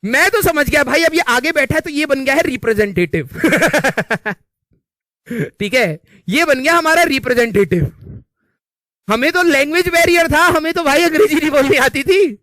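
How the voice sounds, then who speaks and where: A man's voice: very high-pitched, lively intonation, normal speed, pushed and bright, dry recording, studio quality. A teacher telling a comic story to his class, chatty and laughing often, calling his listeners brother. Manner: chatty, laughs often, keeps adding "ठीक है"; calls listeners "भाई" while telling.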